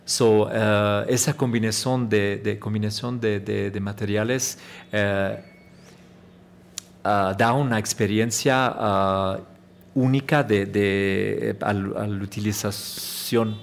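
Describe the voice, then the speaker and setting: A man's voice: fairly low pitch, fairly even intonation, takes it slowly, gravelly, a little hiss or hum. A man from Chicago with an American accent, a native English speaker, struggling through Spanish with many fillers and English words as an interview guest. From Chicago, USA. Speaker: watch company founder, guest. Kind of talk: interview answers.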